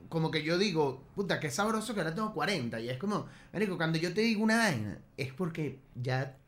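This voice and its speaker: A man in his late thirties chats informally in a fairly high voice. He has a Venezuelan accent and a slangy, halting delivery, often repeating words as he works through a thought. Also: expressive. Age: late 30s. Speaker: podcast participant. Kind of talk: casual chat among friends.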